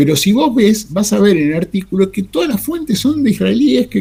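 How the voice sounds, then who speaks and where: A man in a Rioplatense accent, dark and mellow in tone, with very wide pitch swings at a moderate pace. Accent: Argentine Rioplatense Spanish. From Argentina. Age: 60s. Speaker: history teacher. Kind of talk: lecture. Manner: halting.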